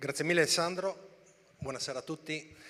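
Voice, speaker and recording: This man's voice sits at a fairly high pitch with a bright, sharp tone. His intonation is fairly even. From Trieste, northeastern Italy. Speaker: former pro basketball player, church speaker. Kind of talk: testimony. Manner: casual, conversational.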